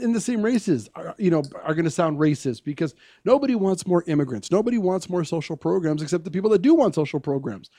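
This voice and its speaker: A man with a fairly high voice co-hosting a talk radio show, laying out his points patiently and pushing back when he disagrees. His voice sounds close and dry in the studio. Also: mellow, no echo. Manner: explaining, argumentative, measured. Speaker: co-host. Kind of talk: casual radio political talk.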